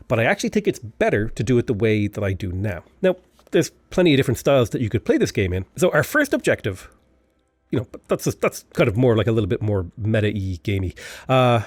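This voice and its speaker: Male gaming host, stuffy from a cold, lively pitch, casual explainer, dry close-mic sound. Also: no room sound. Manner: chatty, explanatory, thinks aloud with restarts. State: stuffy, a bit unwell. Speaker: game tutorial host. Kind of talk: casual gameplay commentary.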